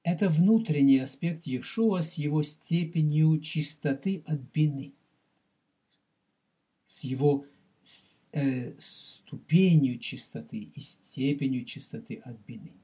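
A man lectures as a rabbi on a religious recording, addressing the listener directly at a deliberate pace and going over terms repeatedly for emphasis. He has a fairly high, mellow, husky voice.

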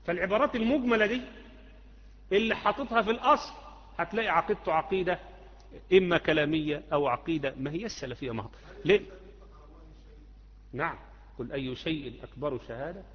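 A man's voice: on the high side, fast talker, long pauses. Egyptian man teaching in an echoing hall. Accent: Egyptian Arabic. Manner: conversational, asks students rhetorical questions. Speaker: Islamic creed teacher. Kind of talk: live religious lesson answering questions. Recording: muffled audio with long hall reverb.

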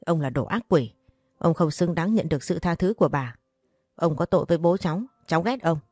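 A woman reading a story voices an angry, remorseful young grandson in a low, mellow tone, with pointed emotional speech. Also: brisk, breathy edge, no echo, clean studio sound, soft background music.

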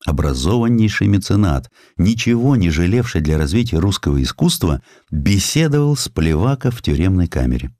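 A man narrates history in a very low voice with lively, theatrical swings of intonation. The sound is dry and studio-close, and the delivery is scripted and expressive. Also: normal speed, hardly any pauses, no echo. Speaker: audiobook narrator.

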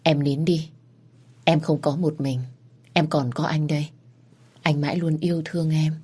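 A woman voicing a gentle, protective young man who speaks soothingly and tenderly, in a storybook reading. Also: low voice, level tone, moderate pace, husky.

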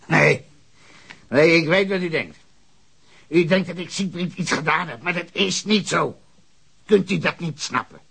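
An actor playing a bitter, hard-drinking former sea captain under questioning, brooding low then flaring into furious shouts in a radio drama. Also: male voice, creaky, breathy edge, full character voice. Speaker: suspect questioned by detective.

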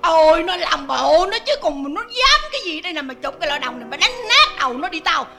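A shrill wailing old mother-in-law. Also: sing-song, quick pace, creaky, full character voice. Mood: furious. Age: older. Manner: wailing, shouting, theatrical crying. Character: older scheming village mother-in-law, shrill and loud. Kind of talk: Vietnamese cải lương stage acting.

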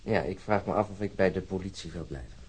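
An actor playing an earnest, disillusioned police officer in a radio drama, with a husky voice and a deliberate, wryly lecturing manner. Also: male voice, low-pitched, darkish tone. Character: disillusioned, earnest male Stockholm police officer, talking at length. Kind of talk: naturalistic radio drama acting.

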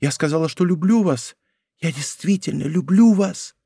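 A desperate young woman pours out her love and begs to be believed, as a male audiobook reader puts her on. The voice rides high and fervent, tearful and pleading. It is recorded dry and close, with no room around it. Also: moderate pace, gravelly, dark tone, slightly rough, no room sound. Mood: passionate confession. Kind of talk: audiobook character reading.

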